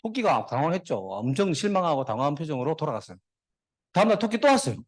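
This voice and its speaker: Middle-aged male guest speaker, joking storyteller, rapid and lively. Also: a little high. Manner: jokey storyteller, dad jokes, talks to the audience. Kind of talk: motivational speech.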